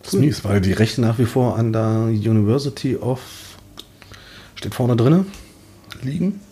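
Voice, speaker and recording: A man's voice: mid-range voice, unhurried, warm tone, breathy edge. A man chatting casually as a podcast co-host. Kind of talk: casual chat.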